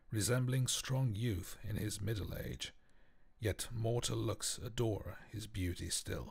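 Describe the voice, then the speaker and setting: Speaking at a very slow pace, a man uses a fairly low pitch, fairly even intonation and vocal fry. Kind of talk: poetry reading.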